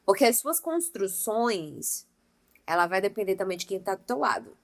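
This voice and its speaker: A woman's voice: medium pitch, expressive, moderate pace. A young woman giving an informal Christian devotional talk, speaking emphatically and straight to her listeners with affectionate asides. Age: young adult. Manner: emphatic, talks straight to the listener as "meu amor" and "gente".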